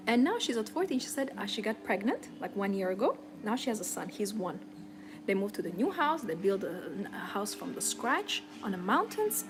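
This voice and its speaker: A woman hosting a live stream as a femininity coach, chatting and encouraging her viewers with frequent fillers and restarts. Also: mid-range voice. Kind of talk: live-stream talk answering viewers' comments.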